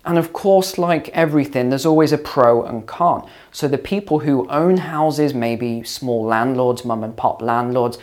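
Slightly hoarse man explaining to camera. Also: mid-range voice, measured pace, hardly any pauses, a little mellow. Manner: conversational, explanatory, with frequent ums and repeats. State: slightly hoarse after hours of calls. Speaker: finance video host and mentor.

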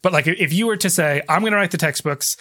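A man's voice: a little high, fast talker, pushed and bright. Stuffed-up young man hosting a podcast. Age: young adult. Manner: chatty, laughs easily. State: congested, stuffed-up voice. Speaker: podcast host. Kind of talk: interview and outro.

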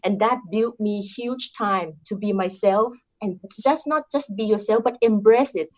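A woman's voice: medium pitch, a little slow, darkish tone. Thai accented woman giving career advice, earnest, keeps asking right?, sound a bit muffled. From Thailand. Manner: earnest, repeats points with tag questions. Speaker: guest. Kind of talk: interview, sharing career advice.

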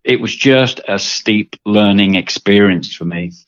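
A man's voice: fairly low pitch, measured pace, no echo, highs cut off. An older man from England with an English accent, talking through his story as a guest with lots of fillers and repeated words. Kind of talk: casual interview.

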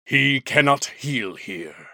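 A man performs a mighty elemental shaman for a fantasy audiobook. The voice is booming and forceful, with slow, weighty phrasing. He sounds grave, commanding and kindly at heart. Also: lively intonation, creaky, no echo, studio quality, full character voice. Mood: grave, firm. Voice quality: deep, booming.

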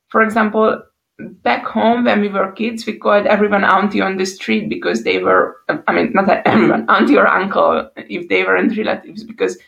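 Woman, Hungarian accent, podcast host, gravelly fry, casual, rambling. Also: mid-range voice, a bit bright, low-quality recording. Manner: chatty, thinks aloud. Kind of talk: casual interview chat.

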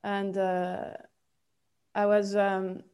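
Soft-spoken Swiss French woman, slow and mellow. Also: mid-range voice, completely flat delivery, smooth. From Switzerland. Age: 20s. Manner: halting, many fillers and restarts. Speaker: guest. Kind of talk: podcast interview.

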